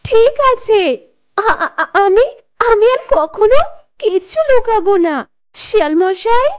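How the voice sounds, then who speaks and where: A woman's voice: extremely high pitch, animated, slow pace, dull audio, full character voice. A woman voicing a timid, gullible, sorrowful little mother tailorbird in a children's cartoon, pleading and stammering plaintively. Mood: frightened pleading.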